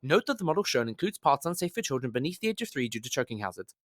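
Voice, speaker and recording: A man's voice: medium pitch, sing-song, rapid-fire, fairly bright tone, dry recording, studio quality. A man playing an eager, dramatic advert announcer in a projected, old-fashioned broadcast style, with slightly muddy articulation. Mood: excitable hype. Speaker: voice actor on a demo reel. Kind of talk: commercial voice-over read.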